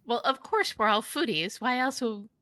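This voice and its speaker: A woman's voice: on the high side, expressive, normal speed, bright, forceful tone. A woman hosting an interview show, introducing and questioning her guests. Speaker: podcast host.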